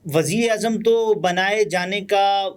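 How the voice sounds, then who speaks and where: A man with a Pakistani Urdu accent giving conversational political news commentary, pausing often with fillers. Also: sits high. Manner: conversational, many pauses and fillers.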